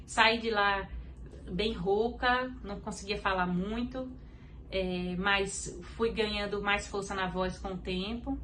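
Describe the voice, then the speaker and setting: A woman's voice: medium pitch, steady tone, slow, fairly bright tone, a little hiss or hum. A woman from Brazil with a Brazilian Portuguese accent, a podcast guest giving an earnest faith testimony and acting out what others said.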